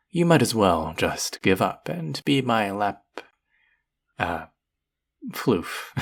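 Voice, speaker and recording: Sadistic sorcerer, acted by a performer, deep creaky voice, unhurried, breathy, gloating, syrupy teasing, cooing at a captive pet, fantasy audio roleplay. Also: exaggerated voice. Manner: teasing, mock-sweet baby talk, sighs. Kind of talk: roleplay audio drama acting.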